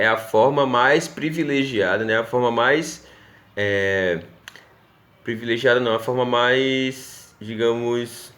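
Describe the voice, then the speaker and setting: A man with a medium-pitched, slightly bright voice teaches a recorded class. He's from Northeast Brazil, speaks with a Pernambuco Brazilian Portuguese accent, breaks everything down stepwise, and keeps checking in with his students.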